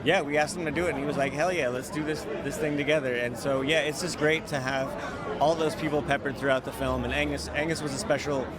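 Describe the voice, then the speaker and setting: A man's voice: fairly high pitch, fairly even intonation, quick pace. A man from Oakland, a film director, talking casually in an interview at a busy theater event. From Oakland, California. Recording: very noisy crowd behind.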